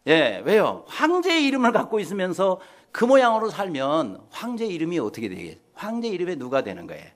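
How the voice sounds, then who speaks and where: A male pastor preaches in a church sanctuary, telling stories with animation and addressing his congregation directly. His voice is high, and he talks a little fast.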